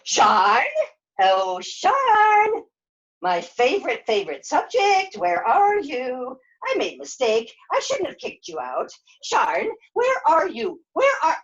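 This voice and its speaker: Woman playing a shrill, imperious evil queen. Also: huge pitch swings, slow, a bit bright, highs cut off, heavily acted. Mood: wheedling, calling. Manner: demanding, melodramatic, repeats herself. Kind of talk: live puppet show storytelling.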